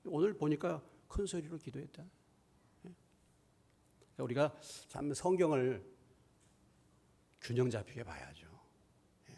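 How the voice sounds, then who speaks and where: A middle-aged man preaching a sermon as pastor in a church, asking rhetorical questions and moving between hushed asides and raised, emphatic lines. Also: fairly high pitch, very animated, slow pace, vocal fry, pauses often, breathy edge. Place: church sanctuary.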